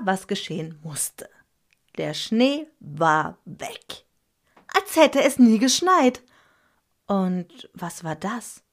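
A woman narrating a scripted story in a gentle, measured storytelling manner. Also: lowish voice.

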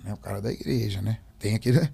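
A man telling his religious testimony in a conversation, animated and acting out voices. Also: lowish voice, quick pace, gravelly, husky. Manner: animated storyteller, acts out voices, fillers. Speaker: guest giving a testimony.

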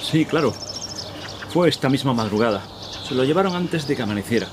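A man's voice: mid-range voice, expressive, brisk, noisy background, close to an everyday voice. An actor playing an obliging city policeman on patrol in a snowy park in a radio drama. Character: chilly, helpful male city policeman on patrol.

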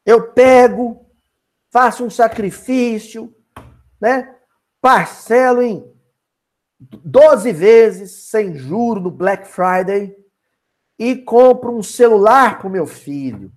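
A man's voice: high-pitched, slow pace, pauses often. A man leading a Spiritist Bible study lesson, colloquial and asking his listeners questions. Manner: animated, colloquial, asks the audience questions.

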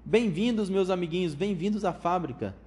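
A man voicing an eccentric, excitable chocolate factory owner with a high, flute-like voice who gushes out strings of welcomes. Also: lightly acted. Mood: gushing. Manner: gushing, rapid strings of enthusiastic welcomes.

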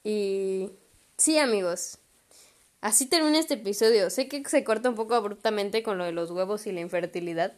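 A woman's voice: mid-range voice, moderate pace, a little mellow. Slangy Mexican woman telling a story. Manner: chatty and slangy, with frequent swearing. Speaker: podcast host. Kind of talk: casual storytelling.

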